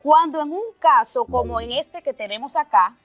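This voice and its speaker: A woman teacher, explaining a lesson slowly and carefully, listing terms one by one and working through examples. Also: sits high, lively intonation, fairly bright tone, no echo, soft background music. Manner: slow, deliberate explaining with lists and examples. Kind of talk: televised remote class.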